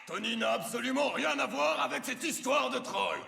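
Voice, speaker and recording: An actor playing a rude rival wrestler with a gravelly voice in a French cartoon dub. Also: male voice, very high voice, moderate pace, sharp tone, exaggerated voice. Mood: sneering.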